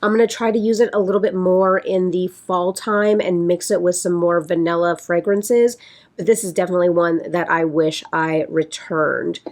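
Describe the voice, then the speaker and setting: A woman vlogger with a raspy, congested voice from a sinus infection, chatting casually and rambling a little as she talks through her products. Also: lowish voice, steady tone, normal speed, a little mellow. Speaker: beauty vlogger. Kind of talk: casual chat.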